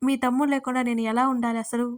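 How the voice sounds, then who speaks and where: A hurt young woman, tearful and jealous, pleading through sniffles, as a woman reads her part. She sits high in pitch and sounds close to crying throughout. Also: little pitch movement, fast talker, natural voice.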